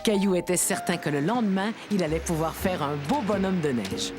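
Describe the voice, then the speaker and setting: A woman narrating a children's cartoon in a gentle, clear, expressive storytelling manner. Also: lowish voice, a little fast, over music.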